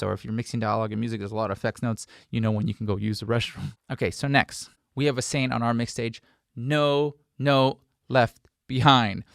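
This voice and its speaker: A man's voice: medium pitch, gravelly, dry recording, studio quality. A man in his forties giving an informal tutorial to camera, stressing points by repetition and acting out example remarks. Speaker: instructor, video host. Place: small home studio, indoors. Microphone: desk microphone close in front.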